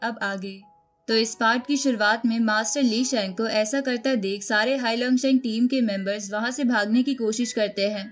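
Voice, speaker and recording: A woman reading a scripted story recap as a narrator. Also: on the high side.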